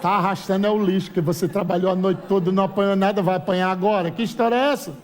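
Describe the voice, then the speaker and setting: A man with a Brazilian Portuguese accent preaching a lively, humorous sermon at a church conference. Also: high-pitched, racing. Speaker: pastor.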